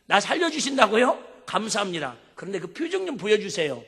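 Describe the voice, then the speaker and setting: A man preaching, acting out a dying king who pleads loudly with God. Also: high-pitched, very animated, a little fast, creaky, husky, full character voice. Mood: pleading. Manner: loud pleading, shouting. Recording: long hall reverb.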